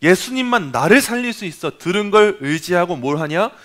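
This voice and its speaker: A man preaching a sermon at a Friday evening prayer meeting, emphatic and animated, acting out voices. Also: high voice, fairly quick.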